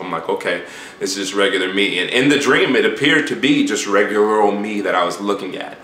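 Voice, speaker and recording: A man recounts a dream in a casual, puzzled and musing monologue. His voice is fairly low but bright and forward, and he rambles conversationally with slangy asides. The room is echoey, with faint noise behind him. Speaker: YouTuber recounting a dream to viewers.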